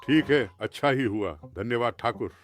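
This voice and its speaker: A man's voice: mid-range voice, normal speed, slight background noise, natural voice. A man voicing an eager, obsequious cartoon jeweller who repeats himself to please his customers. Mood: eager, fawning. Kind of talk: Hindi animated comedy dubbing.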